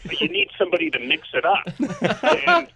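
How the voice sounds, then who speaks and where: A man's voice: sits high, huge pitch swings, brisk, pushed and bright, muffled recording. A man talking casually as a show's composer, explaining his work. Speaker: composer who scores the show.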